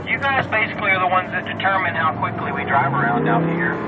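Loud noise fills the background as a man talks at an even, middling pace. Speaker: track instructor in lead car. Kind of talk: instructions over radio. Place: car. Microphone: two way radio.

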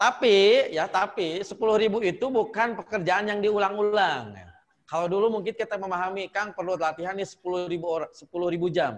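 Here a man talks in a high pitch at a moderate pace. His pitch variation is ordinary. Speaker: trainer presenting online. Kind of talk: lecture.

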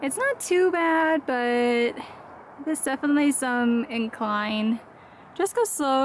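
A woman speaks in a high voice over light background noise. Her pitch moves in an ordinary way, and the sound is dry with no echo. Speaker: travel vlogger. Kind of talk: casual vlog chat. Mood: excited, cheerful. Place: open country. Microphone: phone near.

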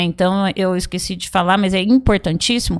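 A woman with a Paraná accent at a moderate pace, against a quiet background. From Paraná, Brazil (Londrina); Paraná, Brazil. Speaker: gynecologist; guest. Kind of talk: interview; interview answer. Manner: halting. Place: studio. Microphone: studio mic.

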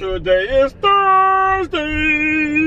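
In a put-on character voice, a man strains at an extremely high pitch. Background noise is clear. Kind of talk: casual vlog chat. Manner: strained, urgent. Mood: cheerful.

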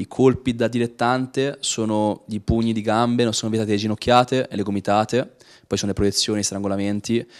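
Over a quiet background, a man at a medium pitch talks at a fairly quick pace with monotone, flat intonation. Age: 20s. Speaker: mixed martial arts fighter; interviewee. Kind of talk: interview. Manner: casual. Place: home room. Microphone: handheld.

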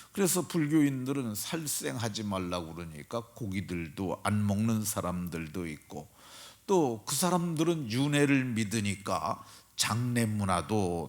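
Very slowly and at a fairly low pitch, a man speaks with very wide pitch swings on a very clean recording with a silent background. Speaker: pastor. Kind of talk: sermon. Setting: church. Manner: formal.

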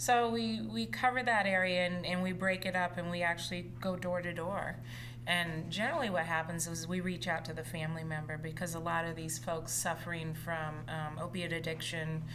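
A woman's fairly low voice at a moderate pace, with ordinary pitch variation, hardly any pauses and noticeable background noise. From Idaho. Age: 40s. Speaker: local TV talk show co-host, public health background. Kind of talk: casual talk show chat. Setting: studio. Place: studio. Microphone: studio mic.

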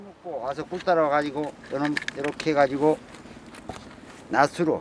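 Noticeable background noise sits under a man speaking at a moderate pace with fairly even intonation, the sound dry with no echo. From South Jeolla, Wando island. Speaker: oyster farmer. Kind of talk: casual talk in documentary. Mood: wry, joking about his wife. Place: boat.

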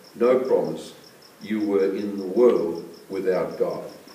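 Someone speaks at a very slow pace, with audible room echo. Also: man. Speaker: Bible teacher. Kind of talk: sermon. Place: hall.

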